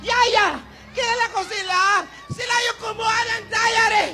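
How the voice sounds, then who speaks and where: A high, squeaky old grandmother who scolds, wails and complains with theatrical cries, as a man acts her out. She drags her lines out slowly over music playing behind. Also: sing-song, crowd noise, exaggerated voice. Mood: shrieking. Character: melodramatic fussy old grandmother, jealous and complaining. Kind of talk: live comedy sketch.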